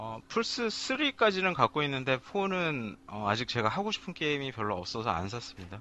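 Very wide pitch swings at a moderate pace. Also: man, medium pitch for a man. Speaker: gamer. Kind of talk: interview. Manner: calm.

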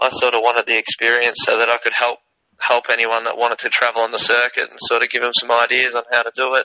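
Using an Australian accent, a man with a medium pitch talks at a very fast pace in a monotone, with flat intonation. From Australia, Cranbourne (Melbourne area). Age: 30s. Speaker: tennis coach. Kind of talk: casual chat.

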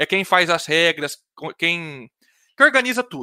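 Speaking at a moderate pace, a man has a high pitch and a bright, sharp tone. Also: dry, close sound with no echo, very clean recording, silent background. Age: 20s. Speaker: sport shooter and hardware enthusiast. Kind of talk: casual chat.

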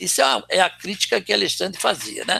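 This man uses a raised, projected voice. His tone is bright and sharp. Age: 70s. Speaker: spiritist study group leader. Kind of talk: lecture. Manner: halting.

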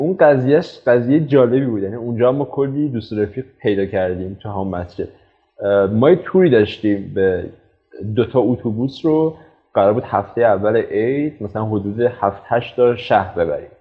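With lively intonation and a medium pitch, a man speaks at a moderate pace in an ordinary speaking voice. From Bojnurd, North Khorasan, Iran. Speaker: digital marketer and tour leader. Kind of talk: casual interview. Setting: video call.

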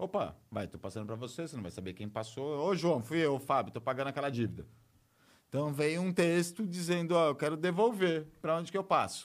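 On a very clean recording with a silent background, a man uses a plain, everyday voice with lively intonation at a fairly quick pace. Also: fairly high pitch for a man. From Brazil. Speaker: engineer. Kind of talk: casual chat.

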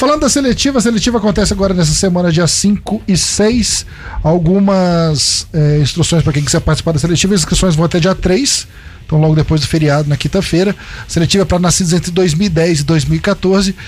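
Over noticeable background noise, a man talks at a fairly quick pace in a high pitch, with ordinary pitch variation and very even loudness. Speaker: sports radio host. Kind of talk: radio sports talk show. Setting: radio studio.

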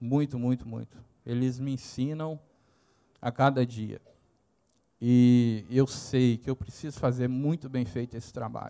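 Male voice with a dark, mellow tone, medium pitch and fairly even intonation, fairly slow in pace with long, frequent pauses. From Minas Gerais, Brazil. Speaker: pastor. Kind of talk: sermon. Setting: church.

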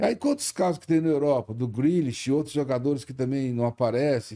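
The recording is very clean with a silent background as a man speaks at medium pitch in a dark, mellow tone with ordinary pitch variation. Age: 70s. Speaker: sports journalist. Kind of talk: casual chat.

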